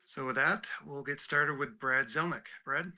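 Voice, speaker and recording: A man's voice: medium pitch, unhurried, pushed and bright. A man moderating an earnings call, giving procedural instructions for the question session.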